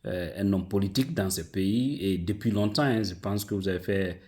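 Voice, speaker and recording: A man's voice: low-pitched, moderate pace, darkish tone. A male interviewer who asks polite questions with hesitant fillers.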